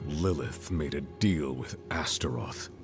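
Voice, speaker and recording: A man's voice: rumbling low, unhurried, gravelly, exaggerated voice. An actor playing a serious, terse male adventurer in a fantasy game cutscene. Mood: solemn, serious. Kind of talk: dramatic video game cutscene acting. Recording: loud music behind the voice.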